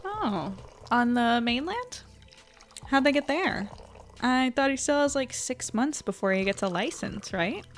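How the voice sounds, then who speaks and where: A woman's voice: high voice, animated, unhurried, soft background music. A woman playing a chatty, upbeat young woman telling about her night in an audio drama. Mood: casual, friendly. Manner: chatty, conversational. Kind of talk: first-person audio drama narration and dialogue.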